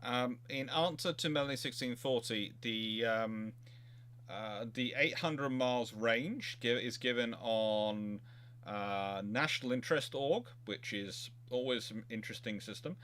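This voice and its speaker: A man hosting an informal expert chat, answering questions in a halting way with frequent restarts. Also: medium pitch, a bit bright, smooth. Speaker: host of a naval history live chat.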